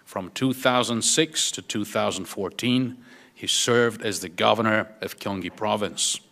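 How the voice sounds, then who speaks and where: Male event host, fairly low voice, delivering a formal speaker introduction at a conference. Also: unhurried, vocal fry, a bit bright.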